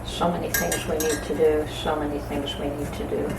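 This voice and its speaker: A middle-aged woman talks through her baking and her thoughts in a calm, unhurried way, pausing now and then. Her low voice has a gravelly edge. The recording was made in an echoey home kitchen, with clear background noise. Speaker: homestead channel host. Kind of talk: casual kitchen vlog chat.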